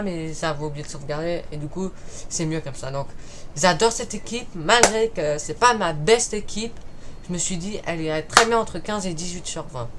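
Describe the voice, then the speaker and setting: A man's voice: high voice, fairly bright tone. Rambling Parisian guy, noisy recording. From Paris, France. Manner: rambling, often stumbles and corrects himself. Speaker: YouTuber ranking football clubs. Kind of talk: casual unscripted vlog talk.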